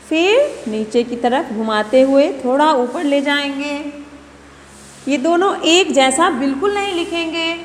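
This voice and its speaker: A woman's voice: high-pitched, fairly bright tone, roomy sound, in a large hall, a little hiss or hum. A woman teaching a nursery writing lesson, explaining each stroke patiently and repeating steps with coaxing questions to the children. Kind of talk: slow, patient classroom instruction.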